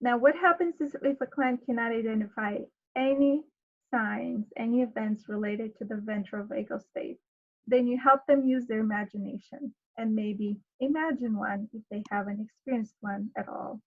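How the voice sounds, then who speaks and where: A woman's voice: on the high side, normal speed, narrow, tinny audio. A woman presenting an online seminar as a counselor, addressing listeners directly in an instructive way, over thin call audio.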